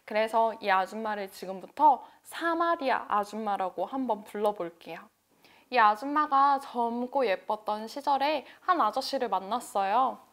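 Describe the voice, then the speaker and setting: High-voiced woman telling a children's story. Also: normal speed. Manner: gentle, animated sing-song narration. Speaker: children's church teacher.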